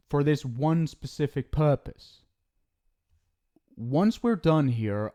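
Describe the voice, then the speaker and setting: With a mid-range, darkish voice, a man performs an ASMR roleplay as a fed-up male ghost soulmate from beyond. Swearing punctuates his scolding, and his explanations stumble through false starts.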